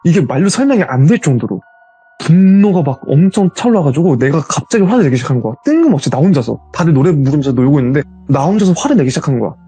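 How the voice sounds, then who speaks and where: A man telling his own ghost story as a guest, in a casual, animated retelling. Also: fairly high pitch, fast talker, slightly rough, no room sound, soft background music.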